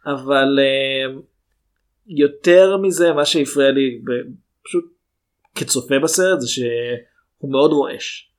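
A man chatting about a film as a podcast co-host, measured and critical, with hesitant fillers. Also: medium pitch. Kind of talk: casual film review chat.

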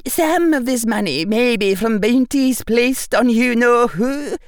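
A woman's voice: a little high, measured pace, no echo, studio quality, pitched above the performer's own voice, natural voice. A woman voicing a stern older witch professor with a clipped, scolding manner.

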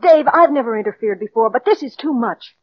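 An actress playing an indignant, loyal young wife, speaking emphatically in 1940s radio acting style. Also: female voice, a little high, expressive, fairly quick. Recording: muffled old radio broadcast.

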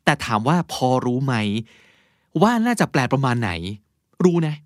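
A young man hosting a casual podcast lesson, chatty and patient, reading out English example sentences slowly. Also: medium pitch, very animated, no room sound, studio quality. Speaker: podcast host teaching English vocabulary.

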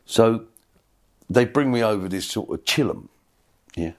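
A middle-aged man, his voice sitting a little low. He tells his story in a loose, rambling way, often stumbling over and repeating words. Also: animated, unhurried. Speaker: guest. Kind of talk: casual storytelling.

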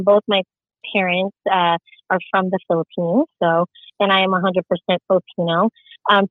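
A woman's voice: medium pitch, dry recording. Woman in her thirties on a phone line. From Arizona, USA. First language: Tagalog. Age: 30s. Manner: chatty, with many fillers. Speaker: guest, shop owner. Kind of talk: casual interview chat. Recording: tinny phone-line audio.

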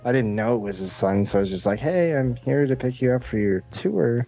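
A man's voice: mid-range voice, brisk, dark tone, faint music behind. A man hosting a podcast, telling a rambling, casual comic story and acting out the dialogue. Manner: rambling, acts out quoted dialogue. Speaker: podcast host.

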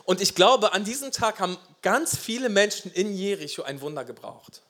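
Here a high-voiced man preaches as a pastor, fervent and emphatic. He alternates between urgent, loud stretches and softer asides.

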